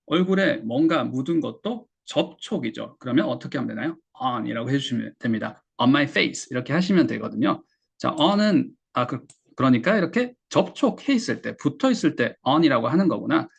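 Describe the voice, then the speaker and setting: A Korean man teaching English pronunciation, patiently explaining and slowly repeating words for learners. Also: mid-range voice, big pitch swings, creaky, slightly rough, highs cut off. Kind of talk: explaining lesson.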